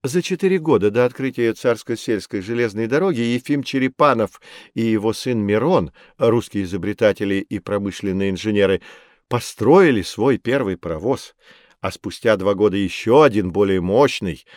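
A man's voice: fairly low pitch, dry recording, clean studio sound, close to an everyday voice. A middle-aged man playing an expert who patiently explains history to children in a scripted educational audiobook. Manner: calm, patient, measured explaining. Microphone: studio microphone.

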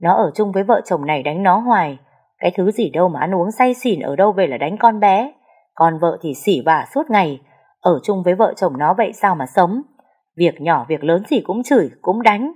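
A woman playing a kind, fatherly older neighbor man who speaks up earnestly and indignantly for a mistreated girl. The voice is husky and darkish, lifted slightly above the narration, in a spoken audio story. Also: on the low side, animated, normal speed, darkish tone.

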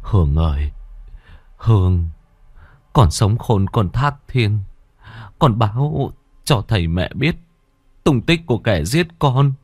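A man's voice: fairly low pitch, sing-song, slow pace, long pauses, darkish tone, husky, no echo, clean studio sound, full character voice. Brief: desperate village father begging his child's ghost, earnest and rising, done by the narrator. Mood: pleading. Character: grieving father pleading with his dead child.

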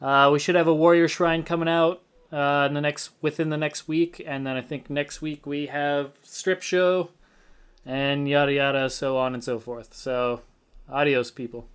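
A man's voice: a little high, fairly even intonation, normal speed, smooth. A young man hosting a gaming podcast, talking in a loose, rambling way with fillers and the odd swear. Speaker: podcast host. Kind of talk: casual gaming podcast chat.

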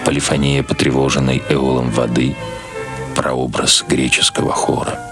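A man's voice: a bass voice, flat delivery, normal speed. A man reading scripted literary prose as the narrator of a radio production. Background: loud music.

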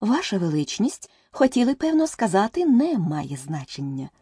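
A woman voicing a fussy, anxious male white rabbit herald in an audiobook, eager and hurried. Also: medium pitch, sing-song, dark tone, slightly rough, no room sound, clean studio sound, pitched above the performer's own voice. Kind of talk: audiobook character voice.

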